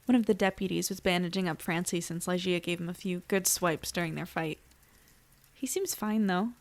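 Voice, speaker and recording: A woman's voice: lowish voice, moderate pace, lightly acted. A woman playing a plucky young investigator in an audio drama, casual and wry as she speaks. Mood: wry, shaken. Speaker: lead character and narrator. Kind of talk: audio drama acting, conversational narration.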